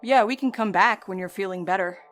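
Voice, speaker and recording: Casting: actress for concerned female friend in an audio drama, medium pitch, gently sceptical, conciliatory, music underneath. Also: brisk, close to an everyday voice. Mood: curious, concerned. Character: concerned, doubtful but conciliatory friend, a woman. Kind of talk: audio drama acting, conversational.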